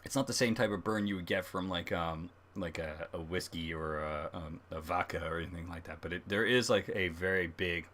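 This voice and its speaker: A man with a fairly low voice hosts a casual live review. He talks in a halting, conversational way, working out his thoughts as he speaks. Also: fairly bright tone. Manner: halting, thinking aloud. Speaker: host of a beer review livestream. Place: livestream, speaking beside a laptop.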